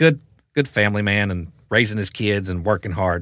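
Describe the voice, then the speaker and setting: On a very clean recording with a silent background, a man talks fairly quickly in a bright, sharp tone. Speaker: comedy podcast co-host. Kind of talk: comedic storytelling. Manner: jokey, irreverent.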